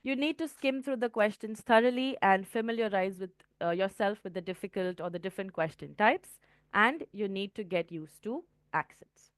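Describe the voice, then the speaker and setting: Woman trainer, clear teaching tone. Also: mid-range voice, normal speed, no echo, studio quality. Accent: Indian English. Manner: clear teaching tone, frequent "okay" checks. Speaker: IELTS trainer. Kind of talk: online test-prep lesson.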